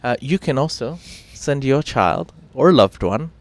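Man, british accent, morning TV host, casual news chat, self-mocking, mid pitch. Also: lively intonation, unhurried, no room sound. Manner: chatty, self-mocking, with fillers and restarts.

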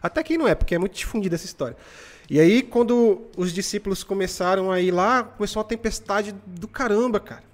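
A Brazilian man in his twenties hosting a live stream, telling stories in casual, slangy, animated motivational chat. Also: high voice, quick pace. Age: 20s.

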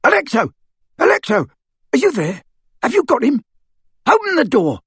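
A man's voice: mid-range voice, very animated, measured pace, a bit bright, husky, dry recording, heavily acted. Man doing a coarse bellowing male thug. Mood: furious. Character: brutish coarse male henchman, bullying and crude.

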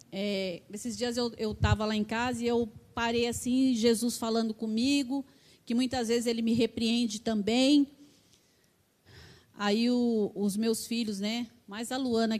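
A woman's voice: mid-range voice, darkish tone. A middle-aged woman with a Brazilian accent, preaching a sermon with fervent personal testimony, often tagging her sentences with "né". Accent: Brazilian Portuguese.

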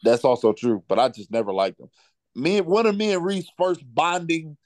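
A man's voice: fairly high pitch, normal speed, darkish tone, dry recording. A man with an African American accent chatting casually about sports as a co-host, opinionated, emphatic and slangy with some profanity.

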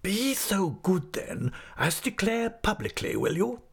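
A man's voice: sits high, sing-song, slow pace, creaky, breathy edge, pitched above the performer's own voice, full character voice. A man voicing an irascible, pompous school principal in an audiobook, full of sarcastic politeness and whispery menace. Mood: severe, mock-polite. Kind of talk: audiobook character acting.

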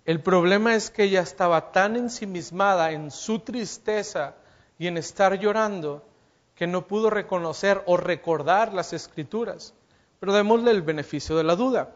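A male preacher with a notably high voice delivers a sermon and keeps turning to his listeners with questions. He acts out the lines he quotes as he goes. The recording is dull and lo-fi, with a muffled top end.

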